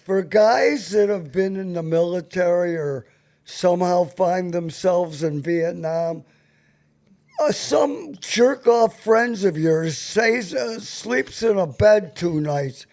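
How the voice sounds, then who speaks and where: A man's voice: sits high, expressive, slow, gravelly, a little mellow. An older man hosting a casual talk show, telling stories and bantering in a blunt, profane way. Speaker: show host.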